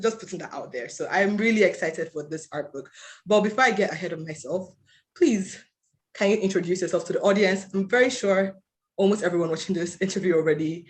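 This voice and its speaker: An interviewer hosting a casual chat, speaking excitedly with many fillers like you know and like. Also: medium pitch. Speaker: interviewer host. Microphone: video call.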